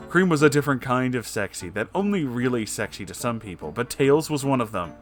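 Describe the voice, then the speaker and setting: Animated, amused male story reader. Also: medium pitch, brisk, faint music behind. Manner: amused, mock-serious, with dry asides. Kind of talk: comedic dramatic reading of fan fiction.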